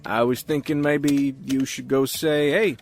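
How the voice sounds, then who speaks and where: A man's voice: medium pitch, steady tone, measured pace, vocal fry, faint music behind. An actor playing an upbeat, well-meaning man with a casual, breezy manner in an audio drama. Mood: coaxing. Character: upbeat, well-meaning male colleague and friend.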